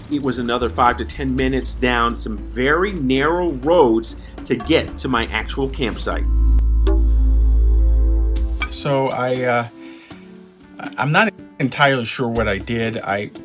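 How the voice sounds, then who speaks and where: An upbeat middle-aged man with a medium-pitched, somewhat bright voice speaks a little slowly in a casual travel vlog about RV life, using lots of fillers alongside voice-over. Recorded on an arm's-length phone inside a car, then outdoors by an RV, it has background music playing under the voice.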